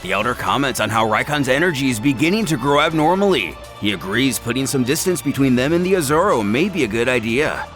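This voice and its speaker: A man's voice: medium pitch, lively intonation, fast talker, few pauses, music in the background. A man narrating a scripted story in a dramatic, theatrical and intense manner.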